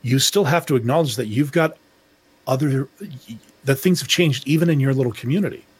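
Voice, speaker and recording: A middle-aged man chats on a podcast, circling back and restarting as he thinks aloud. His voice is husky and sits at an ordinary pitch. The sound is close and dry. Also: fairly quick, no echo. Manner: rambling, reflective, restarts often. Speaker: podcast co-host. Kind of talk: casual discussion.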